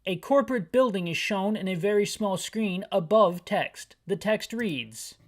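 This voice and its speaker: A man's voice: high voice, expressive, measured pace. A man in his thirties giving rambling, hyper gameplay commentary as he describes a video game aloud for listeners. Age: 30s. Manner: rambling, hyper, self-deprecating. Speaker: gaming YouTuber.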